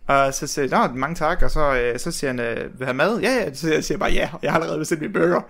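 A man's voice: on the high side, creaky, a bit bright. A young man telling a long anecdote in casual podcast chat, rambling with many restarts and frequent laughter. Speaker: podcast guest, researcher.

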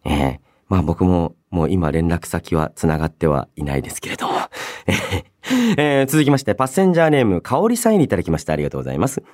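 A man hosting a radio show on his own, reading listener mail and chatting in polite, expressive speech with emphatic reactions and softer asides. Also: deep voice, quick pace. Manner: polite conversational phrasing.

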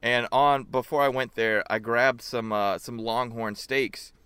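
A man co-hosting a casual podcast, recorded dry and close with no room around him. His voice is smooth and clear as he tells his story in halting bits, padded with "uh" and "like". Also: mid-range voice, steady tone, a bit bright, dry recording. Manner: halting, many fillers. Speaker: podcast co-host.

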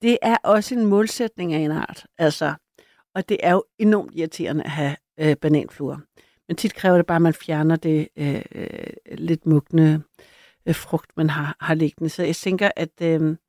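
A woman's voice: deep voice, darkish tone, no room sound, clean studio sound. A woman hosting a late-night call-in radio show, chatty and a little hesitant, laughing easily with callers.

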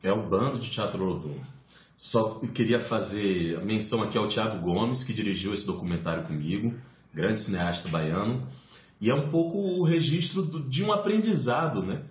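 A man from Salvador with a Bahian accent, an actor talking animatedly as a guest on a talk show. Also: mid-range voice. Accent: Bahian Portuguese. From Salvador, Bahia, Brazil. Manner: animated storyteller, expressive swings. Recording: roomy echo.

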